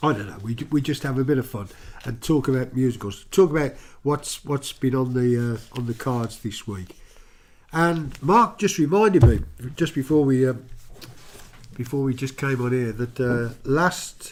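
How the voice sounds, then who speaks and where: A man with a Birmingham accent at a moderate pace. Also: medium pitch for a man, ordinary pitch variation. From England, Birmingham. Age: 80s+. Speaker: musician and songwriter. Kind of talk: casual chat. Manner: halting.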